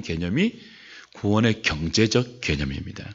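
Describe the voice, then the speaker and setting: His pitch is fairly low for a man. He speaks with a Gyeongsang accent. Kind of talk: preaching, sermon.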